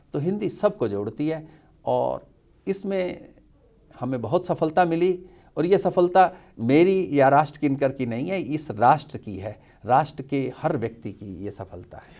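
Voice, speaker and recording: A man's dark, mellow voice, fairly high in pitch, with vocal fry and very wide pitch swings. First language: not Hindi (speaking Hindi). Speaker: writer and editor. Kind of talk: interview. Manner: formal.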